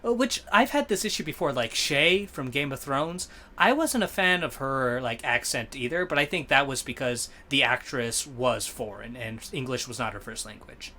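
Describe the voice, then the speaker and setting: A man's voice: mid-range voice, animated, normal speed, few pauses, sharp tone. A man co-hosting a podcast in casual chat, rambling and correcting himself as he gives his opinions. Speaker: podcast co-host.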